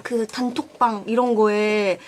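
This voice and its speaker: A woman's voice: a little high, steady tone, a little hiss or hum. A young woman guest-hosting a radio show, chatting playfully and laughing often. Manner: giggly, quick to laugh, playful. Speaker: special guest DJ. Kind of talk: casual radio chat. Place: radio studio.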